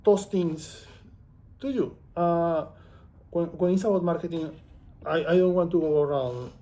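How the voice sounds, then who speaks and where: A man's voice: a little high, unhurried, mellow. A man from Venezuela with a Venezuelan Spanish accent, Spanish his first language, chatting casually to camera in a digressive, self-deprecating way. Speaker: author and vlogger.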